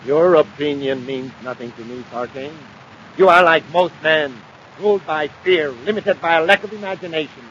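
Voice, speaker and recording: An actor playing a vain, imperious aristocratic villain in a 1950s radio adventure, pompous, grandiose and theatrical. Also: male voice, a little high, moderate pace, fairly bright tone, natural voice. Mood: imperious, confident. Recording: muffled, noisy 1950s radio recording.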